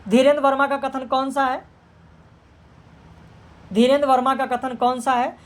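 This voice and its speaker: A woman teacher's voice sits high as she runs through practice questions for an exam, her delivery flat. She reads every question and checks the answers briskly and plainly.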